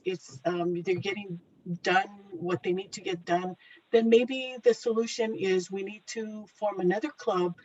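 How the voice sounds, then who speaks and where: A woman's voice: mid-range voice, highs cut off. A woman chairing a video meeting, upbeat and explanatory, with some ums.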